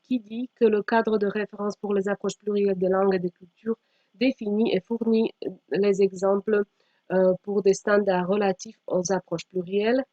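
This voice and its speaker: A woman giving a slide presentation as a teacher trainer, speaking haltingly with frequent pauses and sometimes reading aloud. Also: mid-range voice, steady tone. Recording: dull, echoey room sound.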